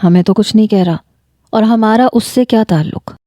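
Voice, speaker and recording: A woman voicing a middle-aged father in a storybook reading, calm and matter-of-fact. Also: mid-range voice, no room sound, clean studio sound, natural voice. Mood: easygoing.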